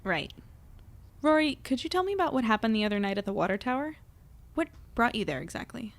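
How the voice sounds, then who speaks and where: A woman's voice: fairly high pitch, big pitch swings, brisk. A woman playing an earnest, curious young journalist in a fiction podcast, polite and a little hesitant. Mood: friendly, attentive. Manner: hesitant, stammering when caught out, polite. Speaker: newspaper editor and narrator. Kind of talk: fiction podcast acting and narration.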